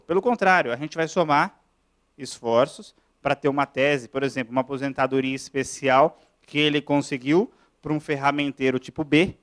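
A man from Brazil, a lawyer giving a classroom lecture, talking fast and chatty and checking in with his audience. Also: mid-range voice. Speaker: lawyer lecturing on pension law.

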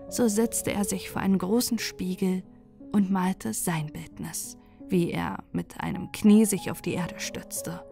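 A woman narrating a fairy tale for falling asleep, reading softly and gently. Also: mid-range voice, vocal fry. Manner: soft, gentle, unhurried reading. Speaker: audiobook narrator. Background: faint music.

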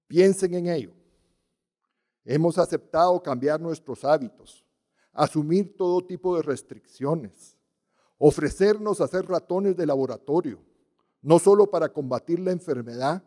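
A man gives a solemn, measured ceremonial address from a podium, leaning on emphatic pauses. His voice sits fairly high but sounds dark and mellow. The podium mic carries a long hall reverb. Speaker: university rector. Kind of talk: formal ceremonial speech. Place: large dark auditorium stage at a podium. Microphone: podium microphone.

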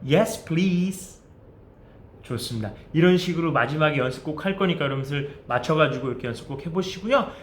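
A man's voice: on the high side, expressive, slight background noise. Upbeat Korean man teaching English. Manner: slow, drawn-out English model phrases between quick Korean explanations; friendly coaxing questions to viewers. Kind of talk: basic English phrase lesson. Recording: roomy echo.

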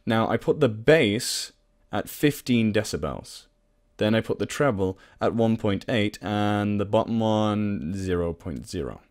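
A man presenting a casual software tutorial in an informal, self-deprecating, sweary way. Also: lowish voice, animated, measured pace.

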